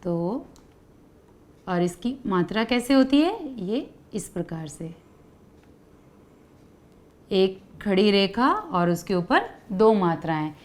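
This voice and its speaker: A woman's voice: mid-range voice, big pitch swings. A woman teaching children letter sounds, asking questions and drawing out each sound for them to repeat. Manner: calls out sounds for children to repeat, stretched slowly; asks many questions. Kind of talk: children's Hindi lesson.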